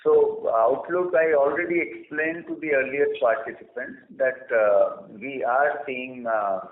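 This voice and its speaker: A man answering questions as a company executive on an earnings call, speaking in a halting, deliberate way with long hesitations. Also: medium pitch. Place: conference call line. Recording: echoey, narrow phone conference line.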